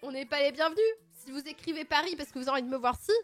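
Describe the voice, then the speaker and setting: High-voiced playful woman streamer. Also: very fast. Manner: playful, expressive, sudden excited outbursts. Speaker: livestream host. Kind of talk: casual livestream chat. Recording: faint music in the background.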